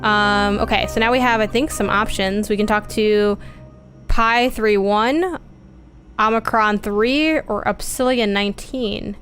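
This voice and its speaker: A woman's voice: mid-range voice, measured pace, fairly bright tone, soft background music. A woman streaming a game, chatting casually, thinking aloud and reading on-screen dialogue.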